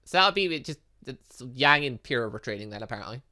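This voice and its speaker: A man's voice: medium pitch, quick pace. A man hosting a gaming video, commenting as he plays and reads game text aloud, sometimes stumbling over the words. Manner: animated, stumbles while reading aloud.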